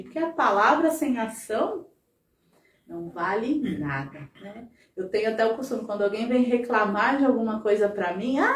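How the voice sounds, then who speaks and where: A woman's voice: on the high side, far from the mic. A woman giving a conversational talk at a spiritist center, constantly checking in with her listeners. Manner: chatty, constant tag questions to the audience. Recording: roomy sound, voice from off the mic.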